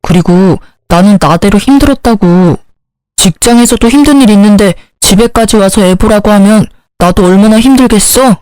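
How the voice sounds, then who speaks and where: A woman's voice: mid-range voice, normal speed, darkish tone, no echo, lightly acted. A woman voicing a selfish young husband in a read-aloud story, arguing in an indignant, dismissive way. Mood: resentful. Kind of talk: storybook dialogue reading.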